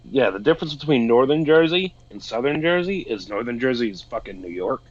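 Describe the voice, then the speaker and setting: A man's voice: mid-range voice, animated, a little fast, lo-fi sound. A man from Boston chatting casually on a podcast, swearing freely and laughing easily. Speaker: podcast co-host. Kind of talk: casual chat.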